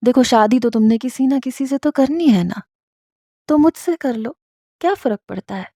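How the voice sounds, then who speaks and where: A woman's voice: a little high, lively intonation, warm tone, no room sound, clean studio sound, pitched above the performer's own voice. A woman reading the lines of a persistent young man in love, with a playful, coaxing manner. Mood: teasing.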